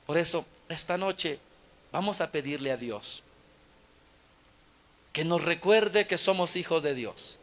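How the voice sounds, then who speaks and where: A man's voice: a little high, expressive, slow pace, long pauses, a bit bright. A man, a Catholic preacher telling a story in a sermon, dramatic and exhorting, acting out the dialogue.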